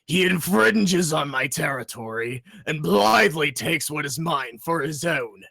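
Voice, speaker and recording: Huge disdainful dragon, audio drama: forceful, gravelly dragon voice, unhurried menace, very dry sound. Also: male voice, animated, dry recording, heavily acted. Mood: cold menace. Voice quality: gravelly, booming. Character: huge ferocious old green male dragon, disdainful, menacing. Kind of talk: dramatic audio story acting.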